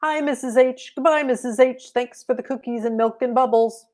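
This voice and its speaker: A woman's voice: high-pitched, moderate pace, a little mellow, pitched above the performer's own voice, lightly acted. A woman voicing an agreeable, bubbly young girl in a storybook, cheerful and full of admiration.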